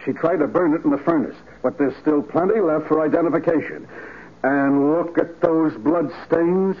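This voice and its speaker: A hard-nosed male investigator in a 1940s radio crime drama, emphatic and triumphant. His voice is husky and fairly high, on a dull old recording. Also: normal speed.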